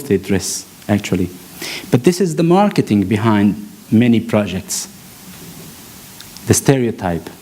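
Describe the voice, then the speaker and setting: A man from Palestine, giving an earnest conference talk, often pausing and restarting as he searches for words. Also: medium pitch, warm tone. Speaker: actor and panel speaker. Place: conference hall stage.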